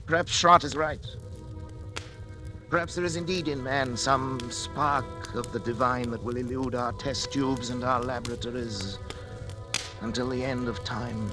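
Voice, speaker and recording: An actor playing a guilt-ridden scientist father, narrating his crime in grave, measured tones, in a vintage radio drama. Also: medium pitch, fairly even intonation, natural voice. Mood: anguished. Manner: hushed, coaxing with his son, then solemn confessional narration. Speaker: doctor and narrator. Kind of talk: 1940s radio drama acting. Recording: old radio broadcast with music bed.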